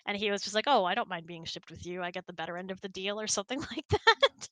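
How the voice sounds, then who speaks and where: A woman's voice: mid-range voice, expressive, fast talker, bright, forceful tone, no echo. A woman chatting casually and candidly as host of an online hangout, often dropping "like" into her sentences. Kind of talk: casual chat with spouse.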